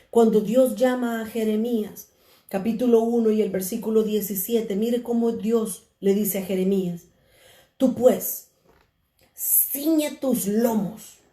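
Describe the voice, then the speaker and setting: At a very slow pace, a woman speaks with a passionate, dark, mellow tone, somewhat breathy and fairly high in pitch, her intonation fairly even. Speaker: preacher. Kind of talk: sermon.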